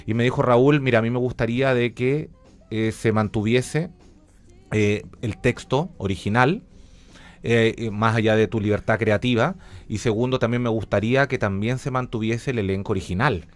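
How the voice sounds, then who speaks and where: A man's voice: medium pitch, moderate pace. A middle-aged man with a Chilean accent, talking conversationally as an interview guest and explaining his work reflectively. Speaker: interview guest, journalist and radio theatre director.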